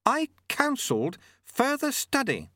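Male reader as aristocratic lady: high, haughty, tense, refined, for a fantasy storybook. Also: wildly swooping pitch, unhurried, bright, forceful tone, no echo, clean studio sound, full character voice. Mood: hissing, angry.

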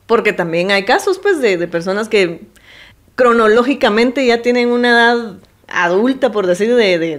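A woman, reflecting thoughtfully in a casual podcast chat. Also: medium pitch. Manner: thoughtful, agreeing, warm laughs between points. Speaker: podcast co-host.

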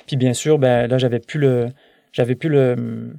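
A man's voice: medium pitch, fairly even intonation, a little slow, vocal fry, dark tone, no room sound. A man in his thirties with a Québécois French accent, chatting as a guest and rambling with many restarts and fillers. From born in France, raised in Quebec. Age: 30s. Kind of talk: casual conversation.

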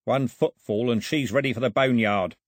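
A man acts out a cunning storybook villain. He is a husky, sneering bully with sarcastic, colloquial talk and a very lively swing in pitch. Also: normal speed, no echo, clean studio sound. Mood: mockingly cheerful. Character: menacing, sneering male criminal, cunning and mocking.

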